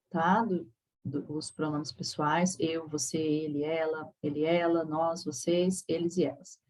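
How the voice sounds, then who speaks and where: A woman with a Brazilian Portuguese accent, an English teacher giving a recorded lesson, explaining slowly and checking in with her students. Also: lowish voice, darkish tone, slightly rough, low-quality recording.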